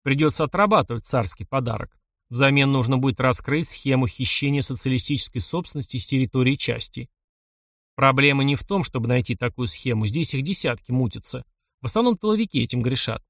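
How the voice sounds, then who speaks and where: A man's voice: mid-range voice, brisk, a bit bright, no echo, clean studio sound. A man reading a first-person audiobook in a wry, ironic storytelling manner. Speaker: audiobook narrator.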